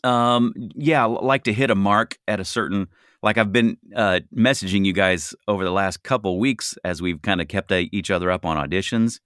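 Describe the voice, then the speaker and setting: A man with a deep, gritty voice talking earnestly and emphatically on a podcast, repeating his points. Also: normal speed, fairly bright tone, clear, resonant tone, dry recording, clean studio sound. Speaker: podcast co-host. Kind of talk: casual chat.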